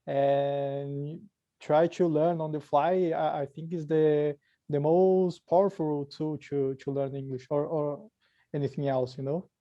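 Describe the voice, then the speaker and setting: A man whose first language is Portuguese, speaking English haltingly on a casual podcast and repeating words as he searches for them. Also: a little high, level tone, mellow, dry recording, dull audio. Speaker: podcast guest, English learner.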